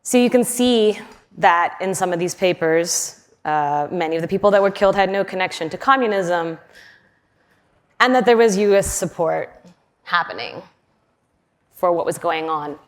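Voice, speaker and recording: A woman in her forties, raised in Western Canada, speaks on a conference stage in a loose, chatty keynote style. Her voice sits fairly low and swings widely in pitch, with fillers and easy laughs. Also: moderate pace, pauses often. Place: large conference hall.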